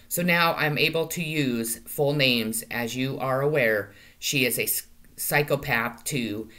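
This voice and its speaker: A middle-aged woman vlogger talks to her webcam from a small room at home, passing on what she claims are channeled messages. Her voice sits extremely low yet sounds fairly bright, and now and then she stumbles and corrects herself.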